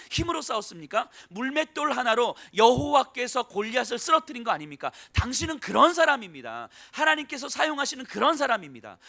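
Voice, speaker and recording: Brief: male pastor playing a kneeling woman, urgent, pleading with a warrior, high bright voice. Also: heavily acted. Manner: urgent, rhetorical questioning. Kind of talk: sermon with acted biblical speech.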